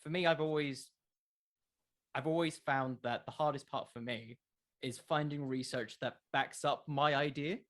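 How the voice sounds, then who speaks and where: A man's voice: medium pitch, steady tone, moderate pace, a bit bright. A man answering questions in a casual interview, thinking aloud and repeating words as he goes. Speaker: podcast creator, interview guest. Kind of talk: casual interview chat about wrestling fiction.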